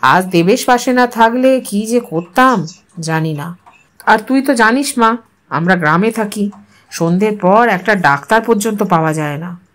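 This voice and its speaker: A woman's voice: mid-range voice, natural voice. A woman voicing an anxious, chatty elderly village father in an audio story, reassuring and fondly scolding. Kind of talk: Bengali audio story character dialogue.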